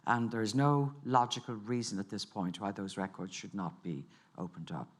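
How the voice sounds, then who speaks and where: Animated man moderating a panel. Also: lowish voice, moderate pace.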